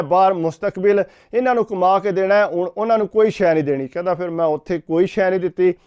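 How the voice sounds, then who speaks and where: Guy vlogging a story, keeps going "he said", smooth clear voice, kinda muffled lofi audio. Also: high-pitched, darkish tone. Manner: rapid retelling, every sentence framed with "he said". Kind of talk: casual storytelling to camera. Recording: dull lo-fi recording.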